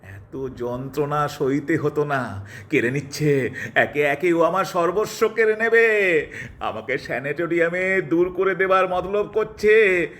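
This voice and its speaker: A man's voice: a little high, unhurried, fairly bright tone. A man playing a feverish, jealous husband in an audio drama, with a pleading, theatrical delivery. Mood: bitter despair.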